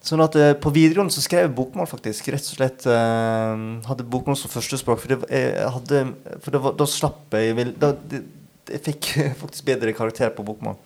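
A man, an author and podcast guest, speaking in a thoughtful, halting way and often searching for his words. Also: mid-range voice, vocal fry, darkish tone. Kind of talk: reflective interview talk.

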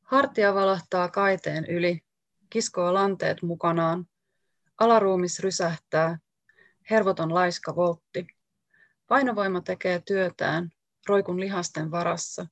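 Gravelly low-voiced woman author. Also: steady tone, no echo, highs cut off. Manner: slow, deliberate recitation of short lines. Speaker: author reading her own work. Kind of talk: poetry reading.

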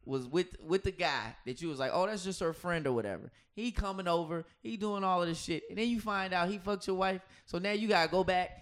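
Man, high voice, teasing, repeats phrases, laughs often, casual chat. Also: a little fast, hardly any pauses, a bit bright.

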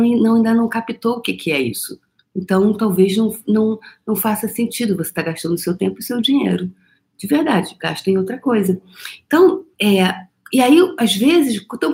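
A middle-aged Brazilian woman, an energy-work coach, talking casually to her followers in an animated, rhetorical way. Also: medium pitch. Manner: animated, rhetorical, voices imagined objections.

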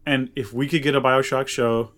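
A man's voice: mid-range voice, steady tone, normal speed, fairly bright tone. A man co-hosting a podcast in casual chat, talking in a rambling, opinionated, conversational way. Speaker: podcast co-host.

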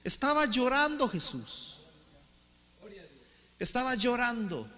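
A man's voice: extremely high pitch, big pitch swings, slow pace, pushed and bright, long reverb tail. A man preaching a sermon as pastor, asking rhetorical questions and calling the congregation brothers. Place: church hall.

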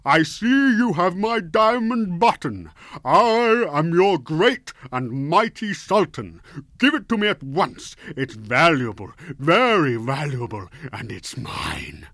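A man's voice: a little high, very animated, takes it slowly, a bit bright, no echo, studio quality, pitched above the performer's own voice, heavily acted. A man voicing a great fat sultan, pompous and blustering, who bellows in outrage. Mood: haughty.

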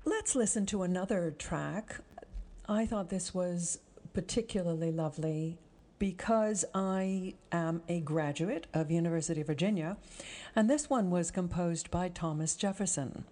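Female interview host, slightly low relaxed voice, articulate and appreciative delivery. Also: a little slow. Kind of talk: conversational interview hosting.

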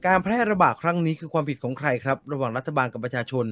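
A man's voice: medium pitch, racing, a bit bright. A man co-hosting a casual live chat, reading out viewer questions and rambling on between them. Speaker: co-host reading viewer comments.

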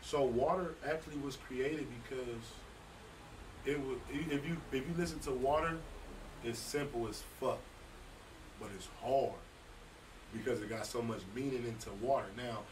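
A man's voice: mid-range voice, normal speed, recorded from a distance, background noise. A man, a recording artist, telling a casual story in conversation in a loose, slangy way with many restarts.

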